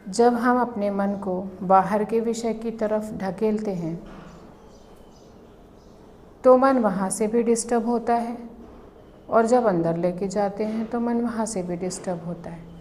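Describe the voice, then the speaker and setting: A woman guides a meditation very slowly, with a mid-range pitch. She gives calm instructions in short phrases and leaves long pauses between them. There is some background noise in the recording.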